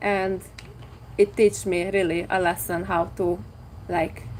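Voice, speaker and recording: Speaking at a very slow pace, a woman with a Hungarian accent keeps her intonation fairly even. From Hungary. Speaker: vlogger. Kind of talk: casual live stream chat. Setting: live stream.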